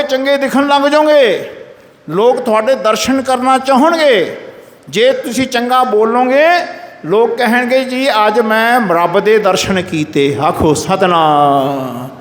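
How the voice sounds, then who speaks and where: A man with a high voice preaches a Sikh sermon in a village gurdwara hall. He intones scripture lines slowly and keeps calling on the congregation to respond. The hall is echoey, with a long reverb trailing each phrase. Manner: exhorts listeners to answer "Satnam" aloud.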